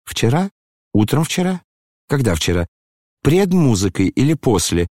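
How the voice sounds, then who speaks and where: A male audiobook reader pitches his medium voice above his natural register to play an agitated, proud young woman who questions and reproaches with urgency. His delivery is very animated yet unhurried and a little mellow. The recording is dry, with clean studio sound.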